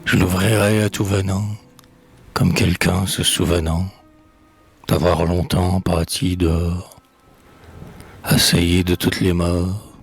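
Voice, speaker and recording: A low-voiced man gives a solemn, dramatic poetry reading. His voice is very husky and breathy, falling at times toward a whisper. He takes his time over each phrase, with faint music behind him. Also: level tone, slow, long pauses. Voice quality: husky, gravelly. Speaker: poet reading poems aloud.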